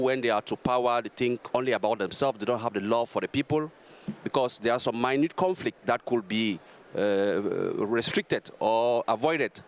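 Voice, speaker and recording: A man from Cameroon in a forum audience, who speaks earnestly and rambles before he reaches his question. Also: medium pitch.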